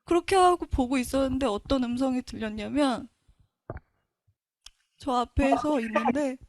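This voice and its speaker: A woman's voice: high voice, moderate pace, darkish tone, no room sound, studio quality. A woman giving an earnest, emotional Christian testimony. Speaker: testimony speaker.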